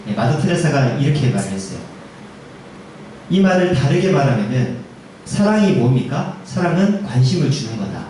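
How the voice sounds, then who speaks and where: A man's voice: medium pitch, sing-song, moderate pace, warm tone, a little hiss or hum. Man, junior pastor, sermon, conversational, asks questions, heavy church echo, distant mic. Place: church sanctuary. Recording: echoey church hall, mic far off.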